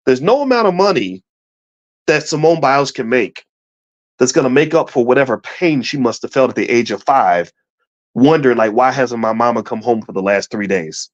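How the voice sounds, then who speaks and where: A man's voice: medium pitch, muffled recording. A man giving impassioned commentary in a preachy, emphatic way, putting questions to his listeners.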